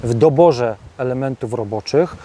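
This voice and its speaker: Man, host, halting speech, warm low-toned voice, outdoors, clip-on mic. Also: slightly rough. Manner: halting, many filler sounds. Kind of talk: casual field interview. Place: outdoors in a farm field.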